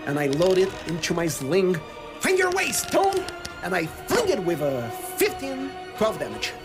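A man speaks in a high, swooping voice as a player in a fantasy role-playing game. He slips between character and describing his moves. Music plays clearly behind him. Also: wildly swooping pitch, a little slow. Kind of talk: in-character improvised game play.

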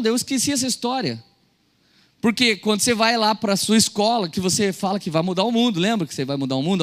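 A young adult man from Brazil preaching in a church hall, his voice set fairly high for a man. He tells stories with acted-out quotes and swings between loud and soft, and a long reverb trails each phrase. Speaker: pastor. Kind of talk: sermon.

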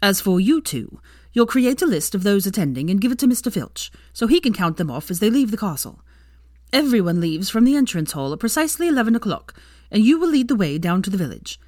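A woman voicing a stern older headmistress who gives orders in a brisk, formal way. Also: medium pitch, big pitch swings, darkish tone, no room sound, studio quality, pitched above the performer's own voice, close to an everyday voice.

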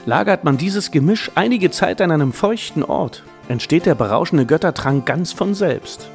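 Casting: male co-narrator for a history documentary, slightly high voice, scripted delivery over light guitar. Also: expressive, moderate pace, gravelly.

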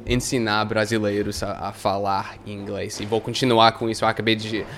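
A man's voice: on the low side, flat delivery, normal speed, a bit bright, slight background noise. A man with a Brazilian Portuguese accent, an online English teacher, chatting casually and hesitantly with many restarts. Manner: hesitant, with restarts and light laughter. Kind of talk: casual chat.

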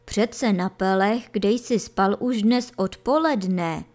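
Woman reading a brisk rabbit dad, matter-of-fact, bit impatient, storybook. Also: mid-range voice, a little mellow, close to an everyday voice. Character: practical male rabbit father, brisk and growing impatient.

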